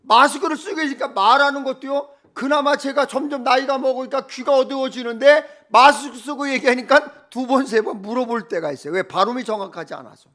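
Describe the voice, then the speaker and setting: A man's voice: extremely high pitch, a little fast, a bit bright. A middle-aged man preaching as a pastor, moving between emphatic declaiming and conversational asides, with rhetorical questions and repeated phrases.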